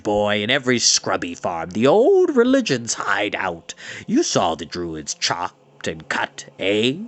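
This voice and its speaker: A man performs the part of an old male spirit guide, booming and theatrical, shouting down from the sky in archaic phrasing.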